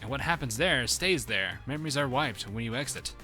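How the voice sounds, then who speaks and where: A man's voice: mid-range voice, lively intonation, brisk, bright, forceful tone, faint music behind. A man voicing a mischievous, gleeful male bear mascot while reading game dialogue, sly and cackling. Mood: gleeful teasing.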